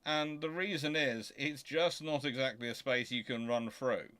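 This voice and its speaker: A man with a bright, forward voice of middling pitch answers listener questions in an informal explanatory style. He often halts and rewords himself mid-sentence. The sound is dry, with very little room in it. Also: steady tone, clear, resonant tone, dry recording. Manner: halting, self-correcting, explanatory. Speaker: host of a naval history Q&A show.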